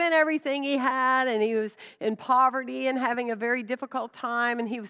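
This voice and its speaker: A woman with an American accent speaks in a high, bright, sharp voice, animated and fairly quick, with ordinary pitch variation. The sound is dry and close with no echo, over a quiet background. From US South, South Carolina. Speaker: minister. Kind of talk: sermon.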